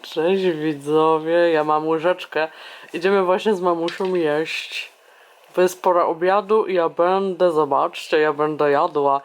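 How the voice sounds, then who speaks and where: A woman's voice: low-pitched, fairly even intonation, measured pace. A woman speaking for her baby girl in her own everyday voice, chatty and addressing the viewers at home.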